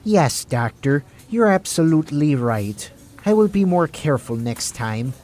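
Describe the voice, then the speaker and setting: A man's voice: a little high, big pitch swings, a little slow, a little mellow, slight background noise. An actor playing a meek male pharmacist in an audio drama, speaking in a hesitant, contrite way. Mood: apologetic. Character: meek, apologetic male pharmacist hiding a secret. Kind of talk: amateur audio drama acting.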